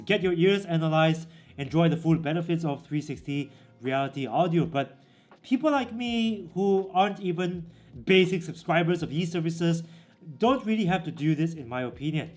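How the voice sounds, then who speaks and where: A man's voice: a little high, a little mellow. A man who reviews tech gear, walking through product settings in a casual, direct way. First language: English. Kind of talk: product walkthrough.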